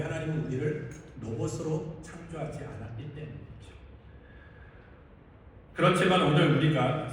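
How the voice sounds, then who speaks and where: Male pastor preaching in an echoey hall. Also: mid-range voice. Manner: asks the congregation questions and answers them. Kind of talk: sermon. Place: large church sanctuary. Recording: echoey hall, distant mic, faint noise.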